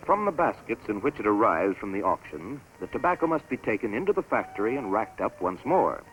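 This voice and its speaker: A man giving scripted narration for a promotional documentary film in a measured, stately announcer delivery. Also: lowish voice, very animated, a bit bright, rough recording. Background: orchestral music score.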